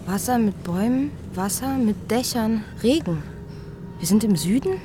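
A woman's voice: medium pitch, animated, normal speed, music in the background, natural voice. A woman playing a dreamy young writer in a radio drama, musing in fragmentary interior monologue. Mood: observing. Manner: fragmentary, musing, often softly spoken.

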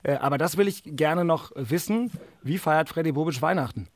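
A hoarse man hosting a casual podcast, joking and loose with plenty of fillers. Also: on the high side, normal speed, no room sound. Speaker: podcast host.

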